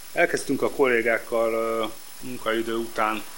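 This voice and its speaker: A man talks at a medium pitch, and the room echo is audible. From Budapest, Hungary. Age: 40s. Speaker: bus driver giving testimony. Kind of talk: testimony.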